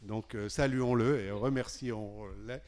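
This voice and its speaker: A man's voice: lowish voice, fairly even intonation, slow pace, crowd noise. Man moderating a festival panel. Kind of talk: introducing a guest on stage. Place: festival stage with audience.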